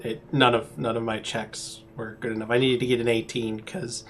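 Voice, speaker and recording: A man's voice: medium pitch, level tone, normal speed. A man acting as game master, casually narrating a tabletop game to his players.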